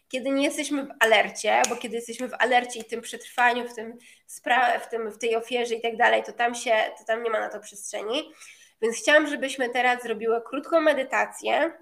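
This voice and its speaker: A woman's voice: on the high side, creaky, fairly bright tone. A woman leading a guided meditation and motivational talk as a coach, speaking informally and directly to her listeners.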